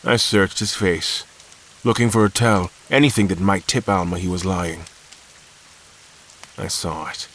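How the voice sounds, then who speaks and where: A low-voiced, defiant captive space admiral. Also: male voice, a bit bright, a little hiss or hum, poor audio. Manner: intense, accusatory. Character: defiant, weary, suspicious space admiral held prisoner. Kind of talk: audio drama first-person narration and dialogue.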